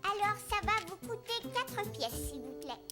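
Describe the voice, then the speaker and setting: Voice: very high-pitched, sing-song, moderate pace. A performer voicing a curious, cheerful four-year-old boy in a children's cartoon, with earnest, simple, childlike phrasing. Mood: playful, content. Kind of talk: children's cartoon dub acting. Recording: music behind the voice.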